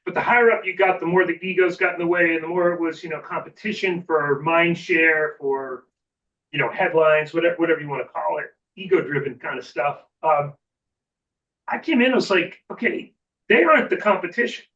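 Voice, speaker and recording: A man with a fairly high voice talks as a podcast guest in an informal, reflective style. He sounds a bit away from the microphone, and the audio is slightly dull. His delivery is conversational, often checking in with the listener. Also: brisk, a bit bright, recorded from a distance. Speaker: sports executive, podcast guest. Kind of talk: casual conversational interview.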